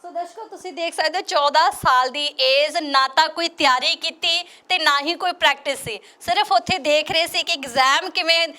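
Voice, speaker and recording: A woman's voice: sits high, normal speed, few pauses, sharp tone. A woman interviewer, who keeps the talk going with short prompts and affirmations. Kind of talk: interview hosting.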